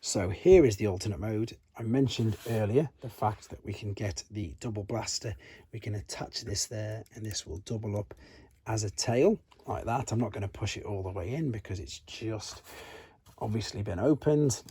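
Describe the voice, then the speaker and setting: A man's voice: on the low side, moderate pace, dark tone, breathy edge, dry recording. A man giving an unscripted, chatty hands-on toy review, thinking aloud as he handles things. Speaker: toy collector and reviewer, channel host.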